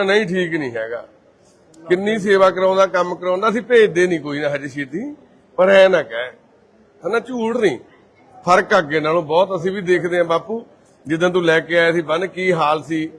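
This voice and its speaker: A man from Punjab, India, the volunteer host of a care society, walking through a care centre and gently reassuring patients and their families. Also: sits high. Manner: gentle and reassuring, calls people mother and brother. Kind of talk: casual on-camera walkthrough talk.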